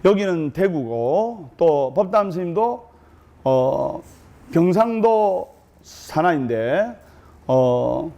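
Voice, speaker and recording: Man, Buddhist monk, humorous sermon, lively storyteller, high voice. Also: extremely slow. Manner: lively storyteller, asks the audience questions. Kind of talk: humorous dharma talk.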